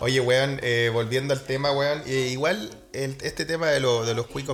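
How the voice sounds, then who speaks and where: This man speaks with a Chilean accent at a medium pitch, with noticeable background noise. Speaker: podcast host. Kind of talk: casual chat. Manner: animated.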